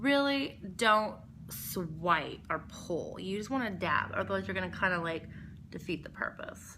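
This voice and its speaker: A woman mumbles in a bright, sharp tone. Her pitch swings very widely. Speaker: makeup artist. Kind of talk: tutorial. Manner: casual, chatty; mumbling.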